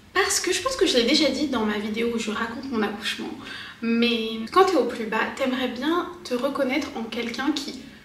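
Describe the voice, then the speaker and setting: A woman with a high-pitched voice talks at a moderate pace with lively intonation, over noticeable background noise and audible room echo. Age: 20s. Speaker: lifestyle vlogger. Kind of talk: personal vlog monologue. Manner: casual, conversational.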